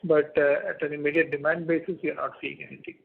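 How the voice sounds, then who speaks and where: A man answering analysts' questions as a company executive on an earnings call, in a halting, measured, deliberate way. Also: fairly high pitch, little pitch movement, gravelly, husky. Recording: muffled, lo-fi conference call audio.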